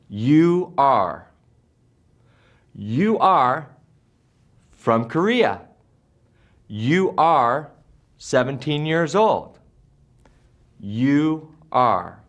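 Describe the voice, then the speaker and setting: A male teacher from the United States runs a slow English classroom drill, speaking deliberately and repeating words for his students. His voice is medium in pitch with a fairly bright tone.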